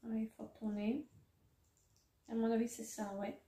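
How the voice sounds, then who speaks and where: A woman's voice: a little high, level tone, a little slow, warm tone. A middle-aged woman vlogger unboxing beauty products in a casual, hesitant way, with many fillers and self-corrections. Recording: roomy echo, faint noise.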